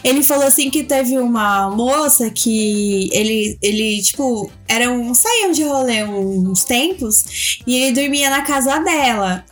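A woman with a Brazilian accent, telling stories in a casual podcast chat, chatty and full of quick restarts. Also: a little high, expressive. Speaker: podcast co-host.

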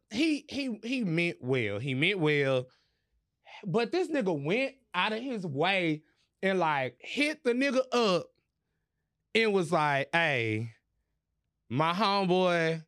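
A man hosting a podcast, telling a story in casual chat, animated and profane, laughing as he goes. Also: high-pitched. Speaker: podcast host.

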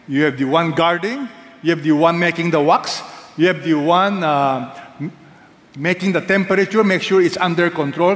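A man's voice: on the high side, roomy sound, long reverb tail. An older man preaching a sermon as pastor, emphatic, repeating key phrases and asking the congregation questions.

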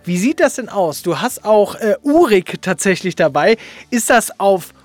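Man, high voice, podcast host, casual interview chat, dry sound. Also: big pitch swings, a little slow, dry recording, faint music behind.

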